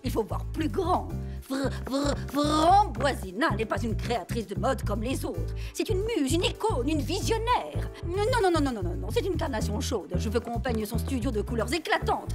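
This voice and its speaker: A haughty cartoon fashion diva, high and wildly swooping. She is fussy, theatrical and condescending, showering people with sugary pet names. Music plays behind her. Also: very animated, normal speed. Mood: bossy, excited. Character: haughty, fussy, flamboyant female fashion TV producer, melodramatic diva. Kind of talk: French animated series dub acting. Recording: background music under the voice.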